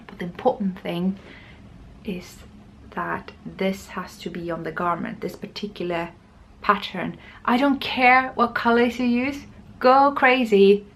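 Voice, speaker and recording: A woman's voice: lowish voice, slight background noise. A woman chatting casually and informally to camera as the host of a knitting podcast. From Norway.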